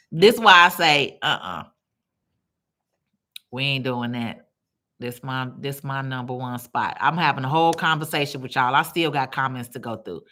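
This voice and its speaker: A woman with a Chicago accent hosts a livestream from her phone. Her voice sits low but has a forceful, bright edge. She talks in blunt, slangy, animated chat and calls her viewers baby. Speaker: livestream host. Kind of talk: casual live chat answering comments.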